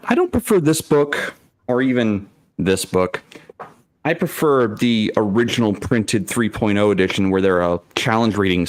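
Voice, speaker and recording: A man speaks in a low voice at a very slow, deliberate pace. He sounds like a game master on a casual panel, dryly sarcastic, with a close sound free of room echo. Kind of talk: casual tabletop gaming discussion.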